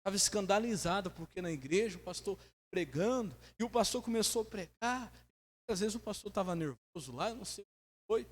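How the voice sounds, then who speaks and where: High-voiced Brazilian pastor preaching. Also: male voice, fairly quick. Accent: Brazilian Portuguese. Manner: lively preaching, asks the congregation to answer amen. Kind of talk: sermon. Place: church hall. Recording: long church reverb.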